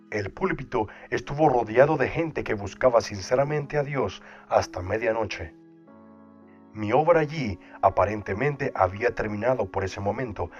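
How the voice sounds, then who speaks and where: A man reading a first-person account aloud in a solemn, devotional manner. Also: mid-range voice. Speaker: audiobook narrator. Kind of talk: scripted first-person narration. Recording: dull lo-fi sound with soft music behind. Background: soft background music.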